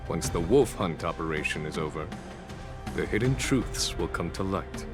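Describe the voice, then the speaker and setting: An actor playing a calm, authoritative general in a video game, with a measured, assured and courteous delivery. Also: male voice, sits low, music in the background. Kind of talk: video game story dialogue.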